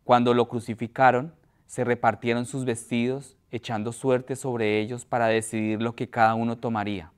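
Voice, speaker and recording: A man preaching in a church, reading a scripture passage aloud and then explaining it with frequent pauses and restarts. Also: medium pitch, flat delivery, clear, resonant tone. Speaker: pastor.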